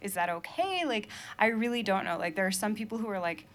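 A woman's voice: mid-range voice, very animated, brisk, a bit bright. A young adult woman from Maine, a musician chatting casually in an interview, laughing often and filling her talk with "like" and "um". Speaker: musician guest.

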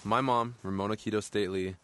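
A young man in his twenties looks back on his childhood in a reflective, unhurried manner. His voice sits somewhat low for a man. He tells it plainly, like an interview. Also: steady tone, a bit bright, slight background noise. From Minnesota, United States. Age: 20s. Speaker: interviewee telling his story. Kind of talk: personal recollection.

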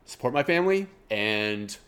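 A man's voice: medium pitch, sing-song, moderate pace, fairly bright tone. A middle-aged man with a Kansas twang and a nasal voice, hosting a podcast in a rambling, self-deprecating casual monologue. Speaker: podcast host.

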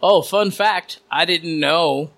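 Bright, higher-voiced chatty man. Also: slow pace. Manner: self-deprecating, chatty. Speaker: podcast co-host. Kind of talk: casual chat.

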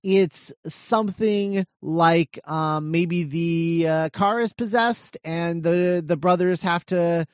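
A man pitching ideas in a casual chat, hesitant, with many pauses and trailing-off endings. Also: clean tone, no echo, studio quality. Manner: hesitant, many fillers and restarts, trails off quietly.

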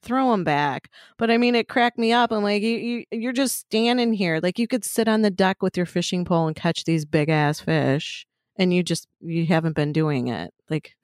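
A woman co-hosting a podcast in casual chat, rambling and profane, laughing often, a little hoarse from allergies. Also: fairly low pitch, moderate pace, no room sound, studio quality. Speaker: podcast co-host.

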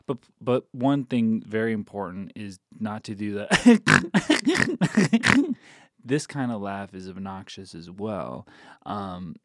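A man recording a deadpan comedic voice memo into a phone, halting with lots of ums. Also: fairly low pitch, dry recording. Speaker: comic giving mock advice.

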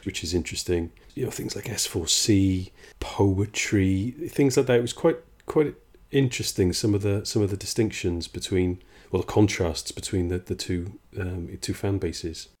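A man's voice: deep voice, normal speed, hardly any pauses, darkish tone. A man interviewing a researcher, reflective and hesitant, often repeating words. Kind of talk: conversational interview.

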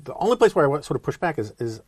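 A man hosting a podcast, chatty and relaxed with many fillers. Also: a little high, very fast, dry recording. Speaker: podcast host. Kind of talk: casual podcast interview.

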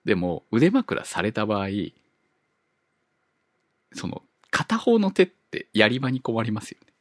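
A man hosting a casual chat, relaxed and joking, with chuckles between his remarks. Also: on the low side, unhurried, no room sound, studio quality. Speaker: podcast host.

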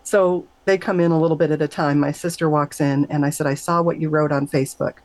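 A middle-aged woman with a steady, slightly mellow voice talks fairly quickly; the audio is poor and there's no room sound. She's a guest on an interview program, earnestly sharing how she nearly died and performing quoted voices with big upward pitch leaps.

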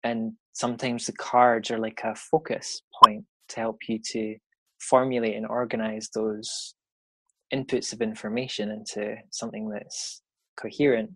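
Man, Scottish accent, casual interview guest, rambling, relaxed, dry recording. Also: on the low side, unhurried, dry recording, rough recording. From Scotland. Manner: relaxed, rambling, frequent fillers and laughs. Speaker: intuitive card reader, guest.

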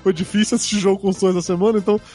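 High-voiced hoarse man, jokey podcast host. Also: fairly even intonation, warm tone, faint music behind. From Brazil. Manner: joking, quick to laugh at himself. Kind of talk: casual chat.

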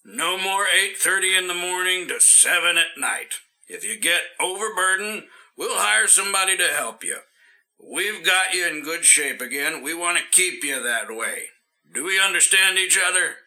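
An actor playing a brisk, commanding male doctor and boss in an old-time radio drama, hearty and quick to laugh. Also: sits high, bright, forceful tone, exaggerated voice. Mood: firm friendly.

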